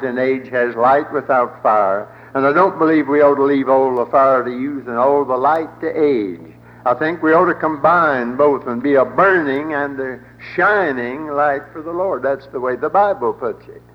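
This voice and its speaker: A man's voice: mid-range voice, a little slow. An older man preaching a sermon with a folksy, wry humor and a rolling preacher's cadence. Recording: dull old broadcast in a reverberant hall.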